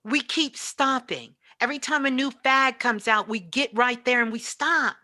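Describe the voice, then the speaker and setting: A woman's voice: on the high side, moderate pace, bright, forceful tone, no room sound, studio quality. A woman giving a spiritual motivational talk, speaking emphatically and repeating phrases for effect. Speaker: spiritual teacher and show host, as guest.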